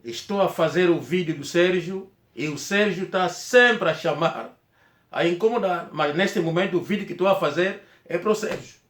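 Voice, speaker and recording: A man from Angola with an Angolan Portuguese accent, Kikongo being his first language, telling a personal story in a rambling, halting way with many restarts. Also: sits high, fairly bright tone, reverberant. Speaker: vlogger.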